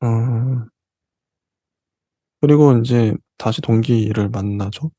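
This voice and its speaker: A man hosting a literature channel, reading passages from a novel aloud and explaining them in between with soft fillers. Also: medium pitch, no room sound. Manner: reads passages slowly, then comments with soft fillers.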